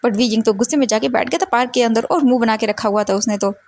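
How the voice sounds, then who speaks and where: Chatty lady narrating a fan story, fast n high, throws in english words. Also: a little mellow. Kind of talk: casual story retelling.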